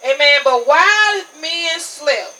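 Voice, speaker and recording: High, bright-voiced woman preaching at a revival. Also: expressive, slow. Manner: emphatic, repeats "Amen" as punctuation. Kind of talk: revival sermon. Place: outdoor tent service at night. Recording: distant mic, noisy, insect chirps behind. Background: crickets and insects, congregation answering amen.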